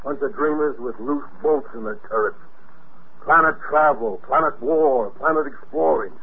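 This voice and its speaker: A man acting a grumpy, opinionated middle-aged father in a 1950s radio drama, grumbling in a gruff, dismissive way. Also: medium pitch, normal speed, slight background noise, lightly acted. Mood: grumbling, scornful. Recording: tinny 1950 radio recording.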